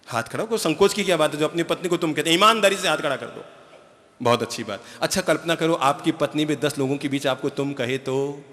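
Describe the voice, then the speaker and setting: Male spiritual teacher, sermon, emphatic, bright tense tone, slightly high voice. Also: big-room sound. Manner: emphatic, rhetorical questions to the audience.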